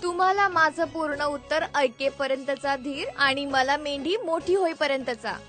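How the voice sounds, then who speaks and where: A woman voicing a clever, patient young woman in an animated story, articulate and self-assured. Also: sits high, moderate pace, soft background music. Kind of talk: animated storybook character acting.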